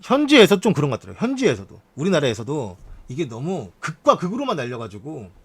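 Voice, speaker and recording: A man's voice: a little high, wildly swooping pitch, fast talker, husky. A man streamer reading news articles aloud on a live stream and adding frank asides to his chat.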